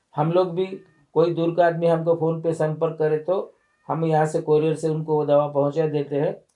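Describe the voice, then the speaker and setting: A man speaks at a moderate pace with a dark, mellow tone. His intonation is flat and monotone. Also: fairly high pitch for a man. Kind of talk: interview answer.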